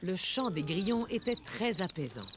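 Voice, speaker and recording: A woman narrating a children's cartoon as a gentle, expressive storyteller. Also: mid-range voice, normal speed, very noisy, natural voice. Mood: gentle, storytelling. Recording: music behind the voice.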